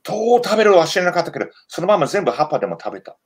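An American man whose first language is English, co-hosting a casual live-stream chat in halting, non-native Japanese with frequent restarts. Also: fairly high pitch, sing-song, husky. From United States. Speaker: co-host, history researcher.

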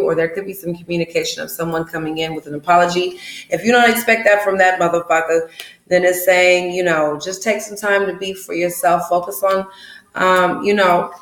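A woman with a lowish voice talks through a tarot spread. Her manner is loose and chatty, with swearing and a habit of tacking on "okay?". The room around her rings with echo. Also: fairly bright tone. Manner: casual and profane, frequent "okay?" check-ins. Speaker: tarot reader. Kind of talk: casual tarot reading.

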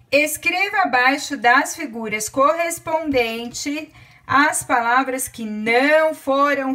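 A woman teacher from Brazil with a Brazilian Portuguese accent, dictating a word lesson to small children. Her voice sits high and sounds bright, and she speaks very slowly, counting out loud and drawing each word out.

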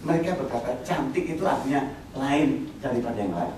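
A man's voice: medium pitch, big pitch swings, a little fast, a little mellow. A middle-aged man preaching a humorous sermon, telling stories, laughing often and talking straight to the congregation. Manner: jokey, laughing often, addresses the congregation directly. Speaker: pastor. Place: church hall at a revival meeting. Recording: very echoey hall, voice from far off, congregation audible. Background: congregation noise and laughter.

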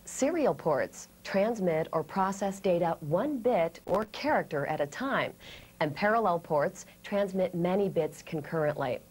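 American woman, 30s, instructional video presenter, lower register, slightly husky, methodical delivery. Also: darkish tone. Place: indoor studio set.

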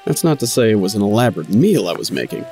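An actor playing an upbeat young son who narrates an audio drama in a chatty, playful way. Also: male voice, fairly low pitch, very animated, fast, dark tone, soft background music. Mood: upbeat, wry. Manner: talks to himself, playful. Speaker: narrator and character.

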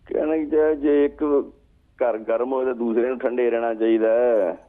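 A man's voice: medium pitch, fairly even intonation, fairly quick. A man calling in to a chat show, joking and repeating himself, often ending with a questioning "huh?". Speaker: regular phone-in caller. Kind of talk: casual chat. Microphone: telephone. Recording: tinny phone line.

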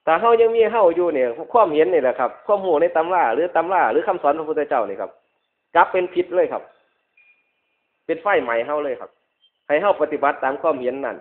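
Man, Isan northeastern Thai accent, Buddhist monk sermon, slightly high pitch, emphatic repetition, thin phone-like lo-fi sound. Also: expressive, quick pace. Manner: emphatic repetition, ending phrases with polite particles. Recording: dull lo-fi radio-like recording.

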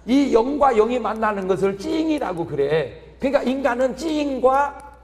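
A male pastor giving a humorous revival sermon in a large church hall, animated and chuckling through his lines. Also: very high-pitched, normal speed.

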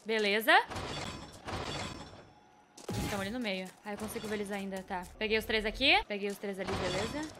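A young Brazilian woman playing a horror game, jumping between hushed muttering and dramatic shrieks as she talks to her viewers and to the game. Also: mid-range voice, fast talker, loud music behind the voice. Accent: Brazilian Portuguese. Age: young adult. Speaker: gaming video host. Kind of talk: excited let's-play commentary.

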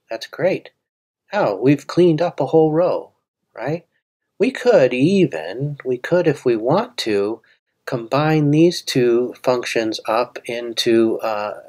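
Slow, thinking-aloud male coding tutor. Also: medium pitch, a little mellow. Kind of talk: screen-recorded coding walkthrough.

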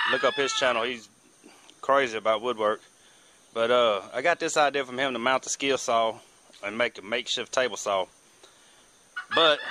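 A man's voice: medium pitch, pushed and bright. Plainspoken man in a noisy workshop. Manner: plainspoken, self-deprecating, rambling. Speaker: hobby welder and woodworker. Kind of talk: casual workshop narration. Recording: noisy outdoor recording with air conditioning and traffic hum.

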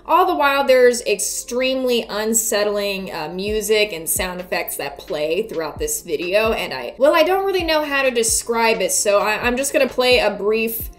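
A woman's voice: a little high, expressive, moderate pace, few pauses. A woman in her twenties giving casual, wry and sardonic video commentary, with some casual swearing. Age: 20s. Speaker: YouTube video essayist. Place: small indoor room before a green screen. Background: background music.

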